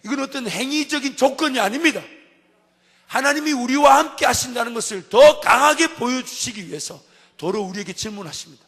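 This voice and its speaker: High, gravelly-voiced male pastor preaching. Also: animated, brisk. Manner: emphatic preaching with repeated refrains; swings between soft and loud passages. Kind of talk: dawn service sermon. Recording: long church hall reverb.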